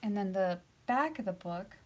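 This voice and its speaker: A woman painting instructor giving a live painting demonstration, chatty and laughing often, sometimes dropping to a soft near-whisper as she works, in a studio surrounded by lights and cameras. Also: mid-range voice, animated, normal speed.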